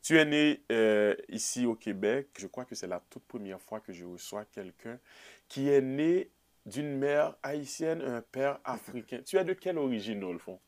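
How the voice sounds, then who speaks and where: Theatrical talk show host. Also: male voice, mid-range voice, expressive, a little slow. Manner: theatrical, addresses the audience directly. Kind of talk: studio talk show interview.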